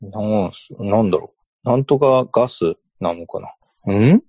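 A man from Iwate, Japan chats as a guest on a podcast, pausing and searching for words, with a quick laugh never far away. His pitch rises and falls a lot as he talks. The sound is dry and a bit dull. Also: huge pitch swings, creaky, mellow, breathy edge, dry recording. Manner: hesitant, laughs often. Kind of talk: casual chat.

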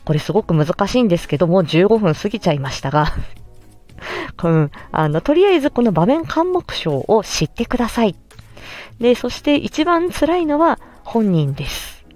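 A woman speech therapist hosting a solo podcast, explaining gently with many pauses and fillers. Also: medium pitch, sing-song, faint music behind.

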